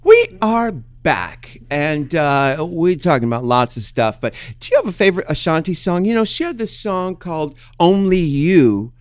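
A man hosting a podcast in casual chat, often pausing and searching for words. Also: a little high, smooth. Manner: hesitant, searching for words, animated. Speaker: podcast host.

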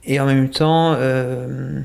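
Young man in his twenties, seminary candidate, gravelly and flat delivery, hesitant and reflective, full of pauses. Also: medium pitch. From Italy. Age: 20s. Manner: hesitant, thoughtful, many pauses and restarts. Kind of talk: casual interview answers.

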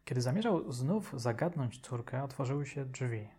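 A man narrating an audiobook in a measured, expressive reading. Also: medium pitch. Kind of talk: scripted narration.

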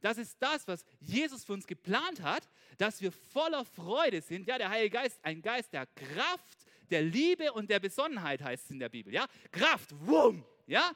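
Man, informal sermon, high voice, very lively intonation, keeps checking in with listeners. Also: moderate pace, few pauses. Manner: animated, asks listeners "ja?" constantly. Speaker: preacher.

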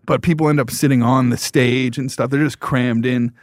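A man's voice: mid-range voice, steady tone, moderate pace, no room sound, studio quality. A man from Canada, a comedian guest, talking casually and laughing often, often trailing off mid-sentence. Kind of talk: casual chat.

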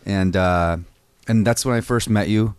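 Young male podcast host; rapid, excitable, profane chatter; lowish voice, dry close sound. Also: clean tone, no echo. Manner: excitable, swearing often, rapid. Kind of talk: casual interview.

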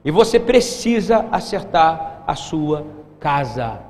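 A man's voice: a little high, sing-song, slow pace, darkish tone, in a large hall. A man preaching a sermon as pastor, emphatic and constantly questioning the congregation. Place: church hall.

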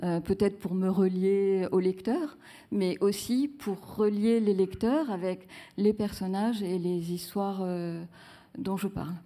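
A woman's voice: medium pitch, fairly even intonation, measured pace, warm tone. A woman author in a live book talk, speaking reflectively with many fillers and restarts as she searches for her words.

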